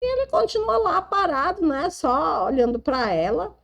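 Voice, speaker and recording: A woman's voice: extremely high pitch, sing-song, normal speed, creaky, a bit bright. A woman with a Brazilian Portuguese accent retelling a romance novel in a chatty, casual way, full of tag questions. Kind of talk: casual storytelling.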